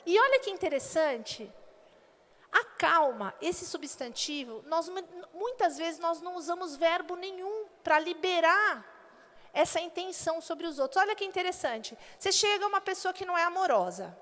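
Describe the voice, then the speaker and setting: A woman pastor preaching a sermon and acting out little quoted dialogues in an animated way. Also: very high voice, moderate pace. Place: church hall. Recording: long hall reverb.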